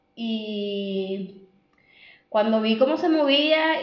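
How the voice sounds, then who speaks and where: A woman's fairly high-pitched voice with audible room echo. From Venezuela. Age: 30s. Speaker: pastry entrepreneur. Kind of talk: casual interview.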